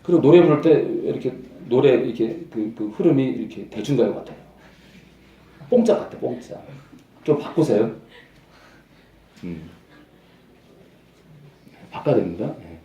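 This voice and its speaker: A man's voice: mid-range voice, expressive, moderate pace, pauses often, dark tone, reverberant, lo-fi sound. A male pastor preaching a sermon emphatically, repeating phrases and raising his voice to stress his points.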